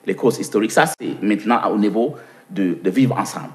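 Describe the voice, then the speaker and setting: A man's voice: fairly low pitch, a little fast. A man from Cameroon with an English-speaking Cameroonian accent, answering interview questions at length. He often repeats words as he searches for them and asks himself questions before he answers. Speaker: interview guest.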